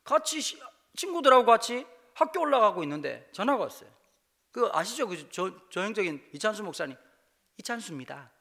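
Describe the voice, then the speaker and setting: A man with a Busan-area Gyeongsang accent preaches at a church revival, spinning comic personal stories. His voice sits high and bright, and he swings his pitch widely as he jokes and acts out bits of dialogue. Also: a little fast, vocal fry. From Busan, South Korea. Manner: lively, jokey, acts out dialogue in dialect. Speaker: guest pastor preaching a revival service. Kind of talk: humorous storytelling sermon. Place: church sanctuary.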